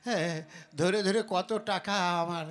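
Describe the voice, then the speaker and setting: A woman's voice: on the low side, moderate pace, natural voice. A woman voicing a stingy middle-aged male trader who whines and laments over lost money in a puppet-show cartoon. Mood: lamenting. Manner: whining, self-pitying lament.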